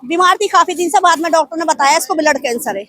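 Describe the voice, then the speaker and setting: Fast, very high-voiced indignant woman. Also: bright, forceful tone, no room sound. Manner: impassioned, indignant, fires rhetorical questions. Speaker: interviewee, grieving mother. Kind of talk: street interview.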